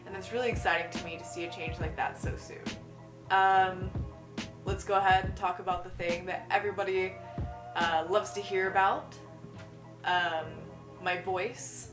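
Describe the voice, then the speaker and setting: A man's voice: high voice, level tone, moderate pace. A young trans man vlogging casually to camera, chatty and candid, with many ums and little laughs. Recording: echoey room with faint music.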